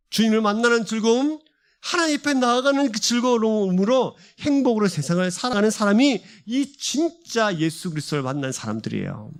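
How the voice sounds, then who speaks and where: A male pastor preaching a sermon at a church service, speaking with passion and piling up repeated phrases. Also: sits high. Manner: impassioned, repeats and builds phrases.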